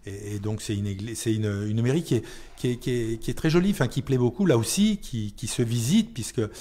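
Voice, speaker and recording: A man's voice: mid-range voice, a little fast, warm tone. A man speaking as a town mayor in an unscripted radio interview, hesitating and repeating words as he searches for phrasing.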